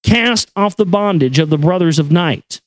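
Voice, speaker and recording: A man giving a solemn, measured reading of an esoteric text in an incantatory, deliberate manner. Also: high-pitched, expressive, no room sound. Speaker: reader and commentator. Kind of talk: solemn recitation of an esoteric text with brief asides.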